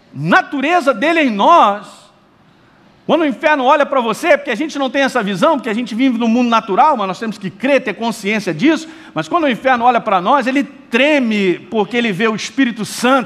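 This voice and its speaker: Over noticeable background noise, a man speaks at a moderate pace in an extremely high pitch. His tone is animated and his intonation lively. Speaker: pastor. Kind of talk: sermon.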